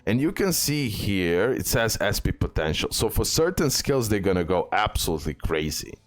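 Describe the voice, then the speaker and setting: Low-voiced man giving casual gaming commentary. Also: big pitch swings. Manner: informal, halting delivery with repeated filler words and check-in tags. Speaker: gaming content creator and host. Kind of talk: casual gaming news commentary over on-screen images.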